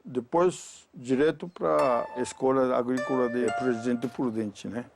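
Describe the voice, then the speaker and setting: An older man with a Japanese accent gives a documentary interview in halting, broken speech full of fillers. His voice has a gravelly, creaky texture. Soft music plays faintly behind him. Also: medium pitch, fairly even intonation. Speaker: retired judo champion.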